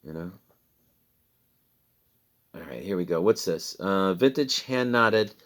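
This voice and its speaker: Speaking slowly in a deep, animated voice, this Midwestern American reseller gives a casual, meandering rundown of items he resold. He's chatty and often laughs at himself.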